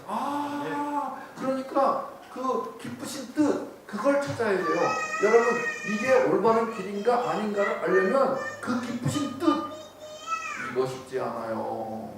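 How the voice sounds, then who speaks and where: Animated man preaching in an echoey hall. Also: sits high, background noise. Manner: animated, joking, acts out voices. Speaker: missionary speaker. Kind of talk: church seminar talk. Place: church hall. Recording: very echoey hall, from a distant mic.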